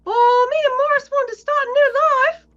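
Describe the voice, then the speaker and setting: A woman voicing a young boy with a put-on Cockney accent and a very shrill, high voice. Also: fairly even intonation, a little fast, a bit bright, lo-fi sound, faint music behind. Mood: eager.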